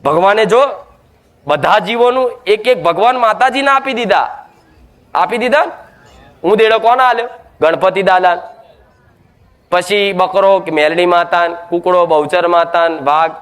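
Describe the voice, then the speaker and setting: A man's voice: fairly high pitch, fairly bright tone. A man preaching a devotional sermon, emphatic and scolding, full of rhetorical questions.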